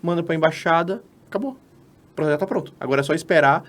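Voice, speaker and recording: A man's voice: fairly high pitch, fast, fairly bright tone. A Brazilian man with a Brazilian Portuguese accent, co-hosting a podcast and explaining a process step by step in casual, filler-heavy talk. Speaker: podcast co-host.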